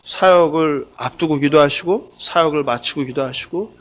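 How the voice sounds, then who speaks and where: A man's voice: on the high side, moderate pace. A male pastor preaching a sermon, keeps asking the congregation questions as he goes. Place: church sanctuary.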